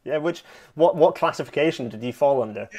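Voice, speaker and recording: A man's voice: on the high side, animated, brisk, warm tone. A man with a hybrid Scottish accent chatting casually on a podcast over a video call, rambling with self-mocking asides. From Scotland. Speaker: podcast co-host. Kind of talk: casual chat. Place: home room.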